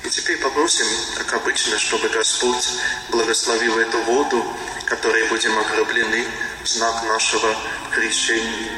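Priest intoning far off in a reverberant church. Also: male voice, on the low side, moderate pace, music in the background. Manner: solemn, even intoning. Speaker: priest leading Mass. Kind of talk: liturgical prayer. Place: large church. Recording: distant, reverberant church recording.

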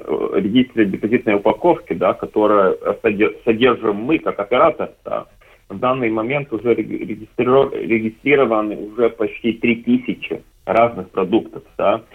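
A man representing a deposit system operator, explaining on the radio in a halting way, full of fillers and restarts. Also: on the low side, slightly rough. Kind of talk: hesitant explanatory talk on radio. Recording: tinny phone line.

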